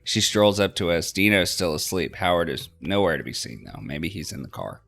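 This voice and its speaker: A man's voice: low-pitched, expressive, normal speed, creaky, fairly bright tone. A man hosting a let's play, reading visual novel narration aloud and now and then stumbling over words.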